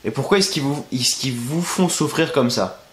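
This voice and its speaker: Sick and congested, a young male YouTuber who reviews wrestling delivers a crude, exasperated, sarcastic rant for his video review. His mid-range voice is animated and fairly bright at a moderate pace, picked up by a camera facing him in a roomy-sounding bedroom at home.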